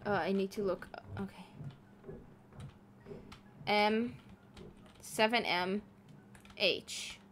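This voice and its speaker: A woman VTuber chatting with her live chat mid-game, unhurried and easygoing. She giggles a lot and swears without a second thought, her voice sitting at an ordinary middle pitch. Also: a bit bright, slight background noise. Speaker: VTuber streamer. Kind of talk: casual live-stream chat while playing a game.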